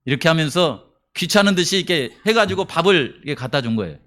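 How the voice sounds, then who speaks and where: With a fairly high, animated voice, this male preacher talks fast through a sermon story. He acts out quotes, puts questions to the congregation, and alternates soft murmurs with raised emphasis.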